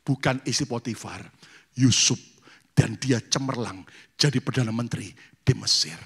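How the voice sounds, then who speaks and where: A man's voice: mid-range voice, normal speed, fairly bright tone, breathy edge. A male pastor preaching a sermon, telling stories and acting out the voices of church members.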